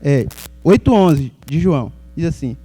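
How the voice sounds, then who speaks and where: A man's voice: fairly high pitch, lively intonation, measured pace, dark tone, slightly rough, poor audio. A man from Salvador, Brazil, preaching a sermon in a conversational way and putting questions to the congregation.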